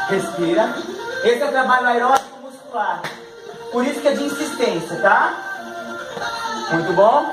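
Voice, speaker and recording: A middle-aged fitness instructor with a Brazilian Portuguese accent, his voice extremely high-pitched, leads older pupils through exercise, counting, cueing, and cheering them on upbeat with frequent laughs. A camera captures him from across an echoey living room while music plays steadily in the background.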